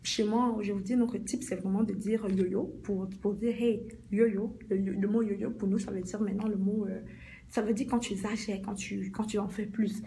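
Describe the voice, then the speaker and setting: A woman's voice: medium pitch, steady tone, normal speed, vocal fry, warm tone, a little hiss or hum. A middle-aged woman, a life coach giving a motivational live talk, speaking straight to her viewers and repeating her points.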